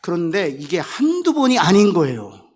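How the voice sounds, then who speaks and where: High, lively Korean pastor preaching. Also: male voice, normal speed. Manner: emotional storytelling, swings from quiet to emphatic. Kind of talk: sermon.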